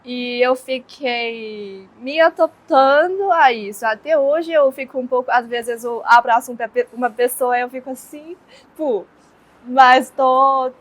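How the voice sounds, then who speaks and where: A woman's voice: sits high, takes it slowly. A young woman from China with a Chinese accent, answering interview questions in a hesitant way with many fillers.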